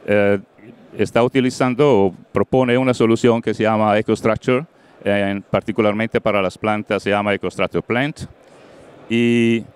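Middle-aged man, from Colombia, conference talk, handheld mic, very clear voice, halting delivery. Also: on the low side. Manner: halting, many fillers, mixes in English words. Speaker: panel moderator. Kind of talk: conference presentation. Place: large event stage.

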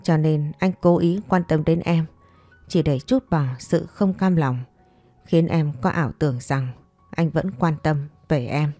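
A clinging young woman pleads insistently and reproachfully, voiced by a woman storyteller. The voice is low and mellow, in a fireside storytelling romance, recorded dry over soft music. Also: fairly even intonation, unhurried, no echo. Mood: pleading.

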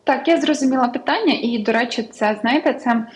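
A woman's voice: high-pitched, fast talker, low-quality recording. A young woman from Ukraine, an English tutor, chatting as a guest in a studio talk show with many fillers. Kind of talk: casual studio interview.

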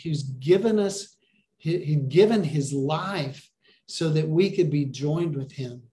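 Pastor, male, fairly high voice, earnest and encouraging, preaching on a webcam. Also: warm tone. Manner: earnest, encouraging, asks the listeners questions. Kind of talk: sermon over a video call. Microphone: video call webcam.

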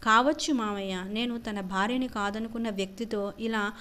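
A patient young wife, calm and respectful even when hurt, as a woman narrator voices her. The tone is mildly high, a simple storybook reading. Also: normal speed, close to an everyday voice. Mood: calm dutiful.

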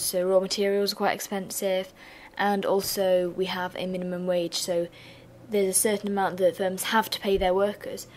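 A young woman, hoarse and losing her voice, giving a chatty revision lesson with casual asides. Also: medium pitch, a little mellow, slight background noise. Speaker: student revision tutor.

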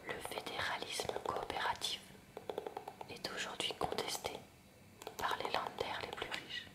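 Whispering woman reading a lesson. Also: recorded from a distance. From France. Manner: soft unvoiced whisper, slow careful reading. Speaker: ASMR creator. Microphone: close mic near hairbrush on a table.

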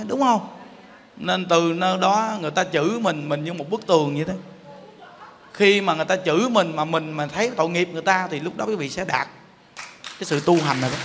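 A man's voice: sits high, fairly bright tone. A man with a Southern Vietnamese accent giving a Buddhist sermon, emphatic and playful, often putting rhetorical questions to his listeners. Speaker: Buddhist teacher. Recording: long hall reverb.

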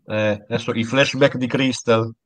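A man's voice: mid-range voice, fairly even intonation, moderate pace. A man making casual remarks in a group anime watch-along on a video call.

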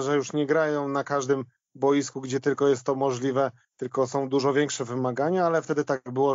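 A man's voice: mid-range voice, darkish tone, dry recording, muffled recording. A man talking conversationally as a football pundit, in a discursive, hesitant way that often circles back on words. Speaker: football podcast guest commentator. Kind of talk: conversational football reminiscence and analysis.

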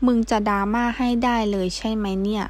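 A woman's voice: mid-range voice, level tone, a little fast, darkish tone, lightly acted. A woman voicing a brash, foul-mouthed young male graduate in an audiobook novel, speaking bluntly and crudely. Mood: coaxing. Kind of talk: audiobook character dialogue.

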